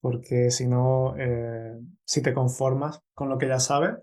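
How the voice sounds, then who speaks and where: A man's voice: medium pitch, flat delivery, slow, warm tone. A man with an Andalusian Spanish accent hosting a podcast interview, chatty and asking long questions. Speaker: podcast host.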